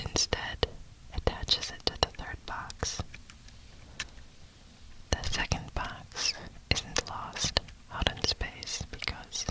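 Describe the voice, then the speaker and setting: A person whispering close to the ear in an unvoiced ASMR tutorial style, with deliberate delivery, as a programming instructor. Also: low-quality recording. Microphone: close ear-to-ear stereo microphone. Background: computer keyboard typing.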